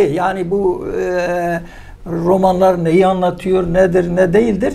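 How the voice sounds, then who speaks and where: A man's voice amid noticeable background noise. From Kurdish region of Turkey, village. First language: Kurdish (speaking Turkish). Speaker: Turkish teacher, talk moderator. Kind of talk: panel talk on a book. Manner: hesitant, many filler sounds.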